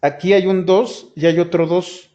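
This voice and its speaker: A male programming teacher, talking his class through a coding example one step at a time. His voice sits somewhat high, and the recording is muffled and lo-fi. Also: steady tone, a little slow, warm tone. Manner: explains step by step, addresses students directly. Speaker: programming instructor. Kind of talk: screen-recorded coding lesson. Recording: dull lo-fi sound.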